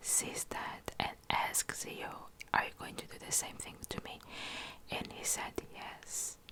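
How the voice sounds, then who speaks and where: Whispering at a very slow pace, a woman leaves long, frequent pauses, with big swings in loudness and noticeable background noise. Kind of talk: ASMR true crime storytelling. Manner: whispered.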